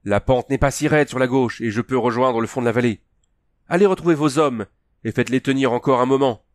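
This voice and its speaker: A proud young noblewoman, commanding and urgent, as a male narrator puts her on. Her voice rides noticeably higher and louder, pressing her demands in a close, dry storybook reading. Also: measured pace, no room sound, lightly acted. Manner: imperious, insistent pleading.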